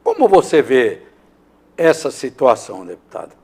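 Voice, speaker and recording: Rambling male news host, mid pitch. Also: wildly swooping pitch, moderate pace, darkish tone, slightly rough. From Maranhão, Brazil. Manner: hesitant, rambling questions with many fillers. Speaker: host of a morning news show. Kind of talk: live interview hosting.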